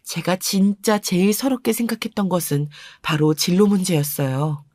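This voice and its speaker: Calm woman narrating a life story. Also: normal speed, no echo, studio quality. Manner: calm, lower confiding narration. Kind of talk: scripted first-person story narration.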